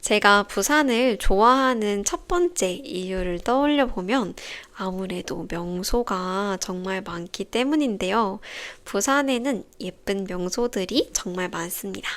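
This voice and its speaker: A young woman hosting a podcast for language learners, explaining in a calm, clear, carefully paced scripted way. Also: mid-range voice, measured pace, hardly any pauses. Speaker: Korean teacher podcast host.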